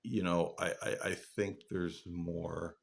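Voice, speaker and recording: A man hosting a paranormal channel, talking casually and reflectively to viewers in an earnest, halting, rambling way. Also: sits low, steady tone, creaky, husky. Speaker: paranormal investigator and channel host.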